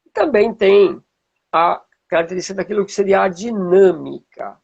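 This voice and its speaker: A Brazilian man with a husky, gravelly voice, teaching informally and checking in with rhetorical questions, as a music teacher would. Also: sits high, lively intonation, normal speed, darkish tone, dull audio. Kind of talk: informal explanatory talk with demonstrations.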